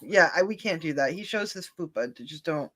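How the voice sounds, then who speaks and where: A woman's voice: low voice, expressive, brisk, fairly bright tone. A woman in her thirties co-hosting a reaction stream, chatting casually, joking at her own expense and swearing freely. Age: 30s. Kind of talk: casual chat.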